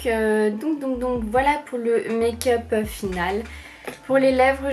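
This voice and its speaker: A woman's voice: a little high, darkish tone. Chatty young woman doing a makeup tutorial. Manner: chatty, rambling, many fillers. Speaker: beauty vlogger. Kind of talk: casual makeup tutorial chat. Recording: faint background music.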